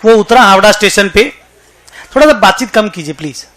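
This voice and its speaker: A man's voice: sits high, lively intonation, a little fast, fairly bright tone. A male accountancy teacher lecturing a class, dictating notes and telling a chatty joke.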